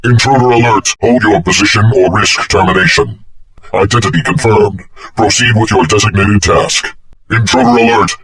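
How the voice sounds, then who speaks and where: A man voicing an impersonal automated security checkpoint in a video game, calm, detached and procedural. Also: fairly low pitch, normal speed, crowd noise, lightly acted. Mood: detached, official. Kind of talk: scripted video game announcements.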